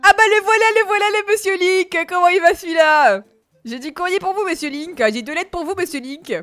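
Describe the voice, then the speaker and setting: A woman's voice: very high-pitched, a bit bright, voice pushed up. Woman doing a sing-song cheery mailman. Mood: cheerful. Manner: sing-song, drawn-out, calls out greetings. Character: cheery eager male mailman, high-voiced. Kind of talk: live-stream voice imitation.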